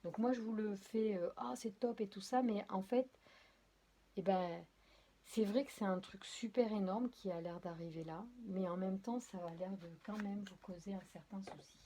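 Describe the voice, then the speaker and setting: Hesitant and apologetic, a tarot and oracle card reader addresses her viewers directly in a casual spoken card reading, full of fillers and restarts. Her voice is mellow and medium-pitched, at a normal speed.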